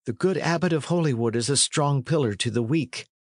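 A man's voice: medium pitch, fairly quick, no echo, studio quality, pitched above the performer's own voice, natural voice. A man voicing a plaintive, delicate but proud young runaway in a storybook, in courtly pleading archaic speech. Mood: guarded. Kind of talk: storybook character reading.

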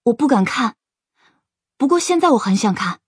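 A woman acting a husky, earnest young woman. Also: fairly high pitch, big pitch swings, moderate pace, no echo, clean studio sound, heavily acted. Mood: sad, earnest. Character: earnest, grieving young woman, brave and guarded. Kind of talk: audio drama acting.

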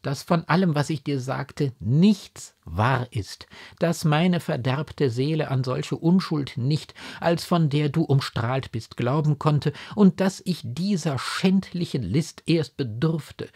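A man's voice: a little high, takes it slowly, few pauses, darkish tone, breathy edge, pitched above the performer's own voice, full character voice. A man reading the part of a noble, remorseful mother in a classic audiobook, in a raised, emotional voice.

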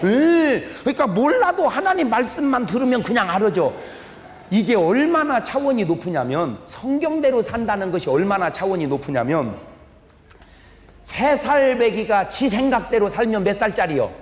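An older pastor preaches a humorous revival sermon in a large church hall, telling folksy stories, quizzing the audience and acting out family quarrels. His voice is high-pitched with big pitch swings at a moderate pace. The hall is echoey with long reverb and slight background noise.

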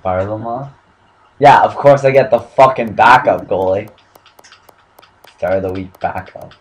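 Young man, hoarse from a cold, lowish voice, gaming commentary, mumbles then yells, headset mic. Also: unhurried. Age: young adult. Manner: swearing, swings from mumbling to excited yelling. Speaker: gaming channel host. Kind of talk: casual pack-opening commentary.

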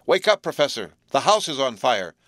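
A man's voice: mid-range voice, animated, fairly quick, a bit bright, dry recording, natural voice. A man voicing a cool-headed teenage boy who gives firm, urgent commands.

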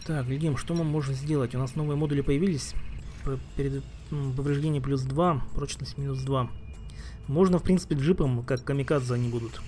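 A man's voice: medium pitch, steady tone, brisk, a little mellow, soft background music. A man giving casual gameplay commentary as a streamer, thinking aloud and muttering asides while he plays. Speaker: game streamer.

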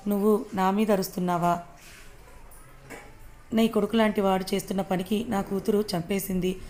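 A woman's voice: mid-range voice, steady tone, normal speed, warm tone, a little hiss or hum, close to an everyday voice. A woman voicing a distraught middle-aged father, anguished and pleading.

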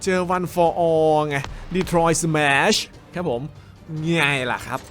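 A man, commentating a fighting game with excitement, yelling and repeating words as he plays. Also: on the high side, drawn-out words. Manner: animated, yells and repeats words during fights. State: slight sore throat. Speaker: gameplay commentator. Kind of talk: excited Let's Play commentary. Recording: game music playing loudly behind.

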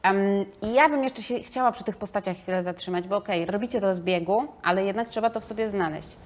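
A woman's voice: mid-range voice, fast talker. A woman in her thirties asking questions in a casual, conversational interview. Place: large brick-walled loft room, indoors.

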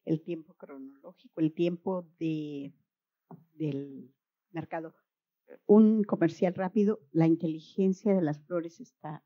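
A woman talks on a panel in an informal, thinking-aloud way. Her voice is slow, husky and dark. The recording sounds dull and lo-fi. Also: lowish voice. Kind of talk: panel talk and storytelling.

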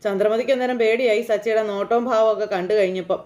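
A woman's voice: mid-range voice, steady tone, very fast, a little mellow. A woman casually retelling a TV serial episode in a chatty, conversational way, often turning to the listener. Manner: chatty, conversational, frequent fillers addressing the listener. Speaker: serial episode recap narrator.

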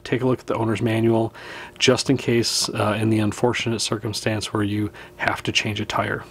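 A man, hosting a fishing channel and talking casually to camera about trip gear, relaxed and practical, with small laughs. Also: fairly low pitch, moderate pace. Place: indoors, small room with wood-panel wall.

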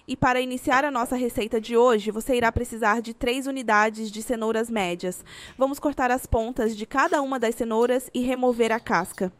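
A woman's voice: fairly high pitch, fairly even intonation, brisk, dry recording. A woman with a Brazilian Portuguese accent, reading a scripted recipe voice-over as host.

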